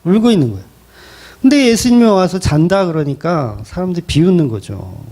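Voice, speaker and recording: A middle-aged male pastor preaching in a conversational way and posing rhetorical questions. His voice sits high and moves a lot in pitch, with a warm, mellow tone. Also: big pitch swings, a little fast. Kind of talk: expository sermon.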